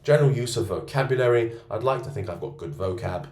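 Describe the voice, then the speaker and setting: A man coaching men on self-improvement, rating himself out loud in a boastful, self-assured monologue from a co-working space. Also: medium pitch, fast. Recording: roomy echo.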